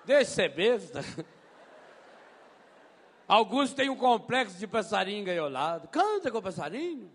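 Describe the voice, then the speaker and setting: A priest preaching a sermon, telling stories in an animated way and mimicking voices. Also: male voice, sits high, moderate pace, long pauses, breathy edge. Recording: long hall reverb.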